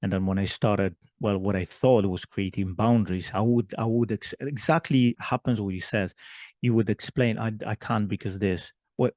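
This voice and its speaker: A man's voice: fairly low pitch, fairly even intonation, moderate pace, a little mellow, no echo. A man hosting a podcast interview, speaking casually with a slight mumble and correcting himself. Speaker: podcast host. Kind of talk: conversational interview.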